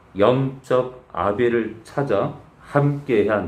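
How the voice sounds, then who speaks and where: A man speaks with audible room echo. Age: 50s. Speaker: pastor. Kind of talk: sermon.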